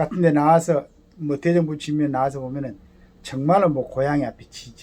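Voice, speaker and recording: A man talks at a moderate pace. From Jeolla region, South Korea. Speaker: YouTube commentator. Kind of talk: solo commentary monologue. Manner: hesitant, many filler words.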